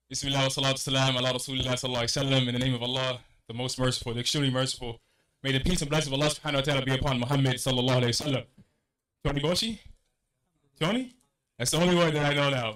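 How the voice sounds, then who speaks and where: A man's voice: mid-range voice, steady tone, racing, a bit bright, rough recording. A man from Senegal giving a motivational religious address as a mosque youth director, earnest and repeating key phrases for emphasis. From Senegal, West Africa.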